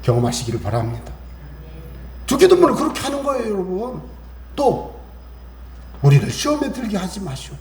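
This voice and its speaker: His pitch sits high and swoops wildly as this pastor moves briskly through a chatty Sunday sermon, pausing often, his tone a little mellow. He quotes scripture and acts out brief exchanges; the audio has an echoey church-room sound and faint hiss.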